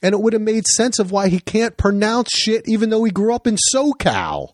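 A man hosts a casual podcast, talking in a rambling, animated way and swearing freely. His pitch swings widely. The sound is dry and close. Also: fairly quick, no echo. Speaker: podcast host. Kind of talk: casual chat.

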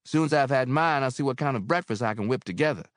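A man voicing an older, motherly landlady who is gruff but kind, scolding and teasing in a warm, bossy way in an audiobook. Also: medium pitch, quick pace, dry recording, studio quality, pitched above the performer's own voice, lightly acted. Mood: bossy caring. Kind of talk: audiobook character voice.

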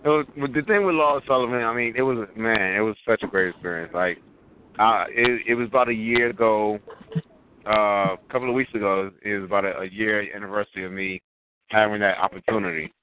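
A man telling animated stories in a casual chat, acting out quotes in a raised voice. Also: on the low side, a little fast, slight background noise. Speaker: guest wrestler. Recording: tinny phone-line audio.

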